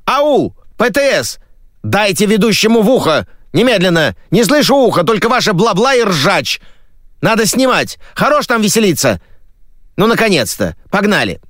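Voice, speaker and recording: A man voicing a frantic, hysterical male TV show host who shouts and whines. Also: big pitch swings, moderate pace, dry recording, clean studio sound, exaggerated voice. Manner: shrill, whiny, shouting.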